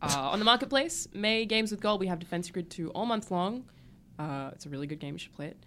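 A woman's voice: mid-range voice, lively intonation, fast, pushed and bright, slight background noise. A woman with an Australian accent, co-hosting a podcast in a casual, chatty style. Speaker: podcast co-host. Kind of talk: casual chat.

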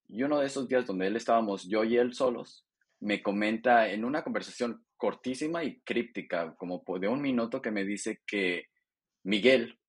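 A man in his thirties from Mexico, speaking as a veterinarian guest and filling pauses with "este". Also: on the low side, slightly rough. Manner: conversational, fills pauses with "este". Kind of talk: interview testimony.

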